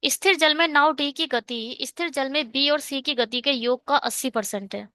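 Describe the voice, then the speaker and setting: A woman's voice: sits high, moderate pace, bright, forceful tone, dry recording. A woman teaching an online exam-prep math lesson, working through a problem step by step and asking and answering her own questions.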